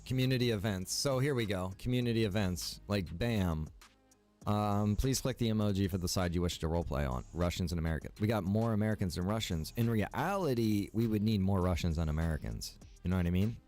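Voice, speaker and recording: A man's voice: on the low side, brisk, a little mellow, soft background music. A man streaming a game, chatting casually with viewers, rambling and joking as he plays. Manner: rambling and joking, chats to viewers and reacts while playing.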